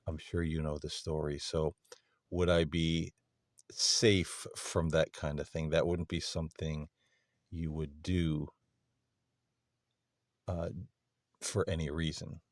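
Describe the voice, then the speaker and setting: A man hosting a paranormal session, putting questions to unseen beings in a halting, deliberate way with long pauses. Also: extremely low pitch, little pitch movement, no echo, studio quality. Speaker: host of a paranormal contact session.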